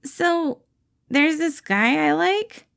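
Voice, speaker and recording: A woman's voice: high voice, expressive, very slow, creaky, fairly bright tone, pitched above the performer's own voice, heavily acted. Woman voicing an awkward, nervous young man. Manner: hesitant and awkward. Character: nervous, eccentric young man with a secret crush.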